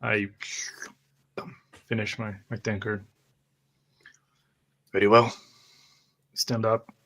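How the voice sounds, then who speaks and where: A man with a fairly low voice roleplays at a tabletop game. His delivery is slow, halting and deliberate, with very little rise and fall as he moves between character speech and describing actions. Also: level tone, fairly bright tone. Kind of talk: in-character roleplay mixed with first-person narration.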